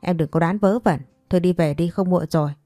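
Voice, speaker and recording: A woman's voice: lowish voice, a little fast, mellow, no room sound, studio quality, faint music behind, lightly acted. A woman reading the part of an exasperated man who scolds his secret lover. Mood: impatient.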